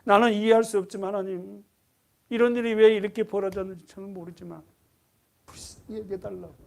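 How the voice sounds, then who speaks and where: A middle-aged man preaching a Sunday sermon in church, asking the congregation questions and having them underline verses, his voice rising to loud emphasis and dropping to near-whispers. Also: high voice, steady tone, brisk, gravelly. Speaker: pastor. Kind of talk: expository sermon. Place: church sanctuary.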